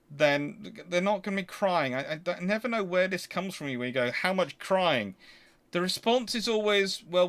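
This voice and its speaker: A man's voice: high voice, fairly bright tone. A man hosting a casual question-and-answer stream, talking in an emphatic, argumentative, conversational way. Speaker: host answering viewer questions.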